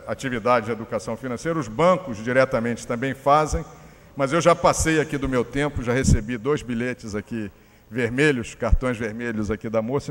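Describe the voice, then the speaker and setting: A man with a Brazilian Portuguese accent giving a conference presentation, pausing often with filler sounds. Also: mid-range voice. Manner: hesitant, many filler pauses. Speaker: panel speaker. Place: large conference hall. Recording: long hall reverb.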